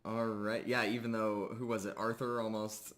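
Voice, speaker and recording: A man hosting a roleplay stream as game master, chatting casually and informally with halting announcements. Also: fairly low pitch, flat delivery, fairly bright tone. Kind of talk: casual chat introducing a live roleplay stream.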